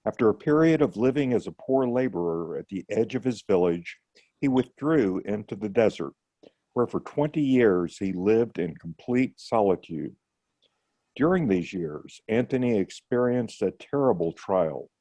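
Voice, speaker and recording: Low-voiced man reading aloud. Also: mellow, dry recording. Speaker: group member reading aloud.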